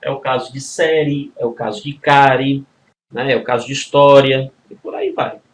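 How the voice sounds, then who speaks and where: A man's voice: mid-range voice, steady tone, normal speed. A man with a Brazilian Portuguese accent teaching a grammar lesson for exam preparation, walking through questions step by step and checking with the students as he goes. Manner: explains step by step, with constant tag questions; addresses students as a group. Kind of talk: recorded exam-prep video lesson.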